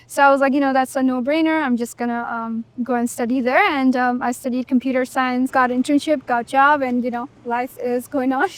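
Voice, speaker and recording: A young woman from Nepal, a software engineer guest, talking in an easygoing way with lots of "like" and "you know". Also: high-pitched, fairly even intonation, fairly quick, few pauses, no room sound. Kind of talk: casual interview chat.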